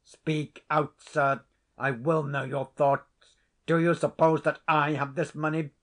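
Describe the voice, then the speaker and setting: A man voicing a stern, cold Scottish laird who speaks in a measured, commanding way. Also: medium pitch, little pitch movement, natural voice. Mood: angry.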